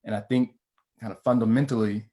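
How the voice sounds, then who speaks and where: A man's voice: lowish voice, steady tone, warm tone. A man with a rural South Central Virginia accent, a public historian speaking reflectively on a video call panel. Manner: measured, reflective, with hesitations. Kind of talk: panel discussion.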